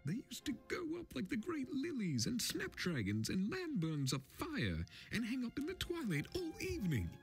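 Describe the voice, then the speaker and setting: A man voicing a polite, fussy, excitable hobbit gentleman in a storybook reading, prim and chatty with eager exclamations. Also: very high-pitched, moderate pace, creaky, few pauses, voice pushed up, heavily acted. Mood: amazed, excited. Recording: film score music underneath.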